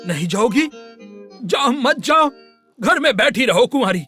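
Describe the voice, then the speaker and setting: A man's voice: very high voice, lively intonation, unhurried, pushed and bright, soft background music, heavily acted. An actor dubbing a proud, theatrical father praising his daughter. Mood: boastful. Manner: boastful, theatrical. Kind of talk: dubbed film acting.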